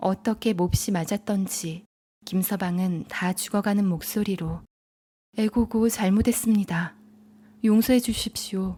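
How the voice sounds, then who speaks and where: Her voice calm and soothing, a woman speaks at medium pitch and a fairly slow pace, with a dark, mellow tone, some breathiness and fairly even intonation. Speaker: audiobook narrator. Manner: calm, soothing, unhurried storytelling pace.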